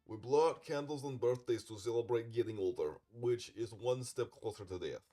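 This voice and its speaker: A man's voice: medium pitch, moderate pace, dark tone. A man co-hosting a casual podcast, talking about faith and dreams in a rambling way, often restarting mid-word. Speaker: podcast co-host.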